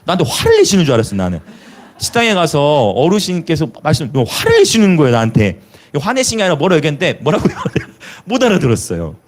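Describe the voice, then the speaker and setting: Preacher guy, highish voice that jumps around a lot, tosses questions at the crowd. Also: fast. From Jeolla, South Korea. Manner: lively preaching with rhetorical questions and hallelujahs; chuckles between remarks. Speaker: pastor. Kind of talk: sermon.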